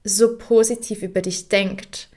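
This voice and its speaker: A young woman hosting a podcast, talking heartfelt and unscripted straight to her late grandfather, soft and reflective, at times dropping almost to a whisper. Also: medium pitch, steady tone, unhurried. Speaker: podcast host. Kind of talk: unscripted personal monologue.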